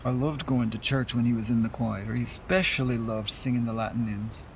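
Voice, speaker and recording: A man plays a devout Irish Catholic mourner in a radio play. His voice is medium in pitch, earnest and reassuring. He talks conversationally, with faint background noise. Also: fairly even intonation, a little fast, creaky, lightly acted. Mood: reassuring, fond. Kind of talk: audio drama acting.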